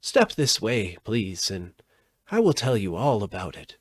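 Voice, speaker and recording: A man's voice: on the low side, sing-song, measured pace. A man reading a storybook aloud, voicing a meek, cowardly little old humbug wizard with a trembling, pleading voice. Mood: proud explaining.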